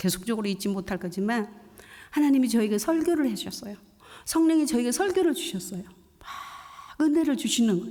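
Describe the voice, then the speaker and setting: A woman speaks at a high pitch with very wide swings. Audible echo fills the room. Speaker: pastor. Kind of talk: sermon.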